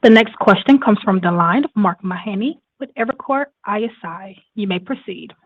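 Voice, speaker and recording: Woman call operator, husky tone, scripted introductions, thin phone-line audio. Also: medium pitch, moderate pace, no room sound. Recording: dry narrow phone line.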